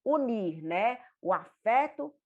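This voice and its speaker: A woman with a Brazilian Portuguese accent, a therapist and mother, giving an informal, animated teaching talk. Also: fairly high pitch, slow pace, highs cut off. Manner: animated, acts out examples in a lively voice. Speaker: therapist and mother of an autistic child.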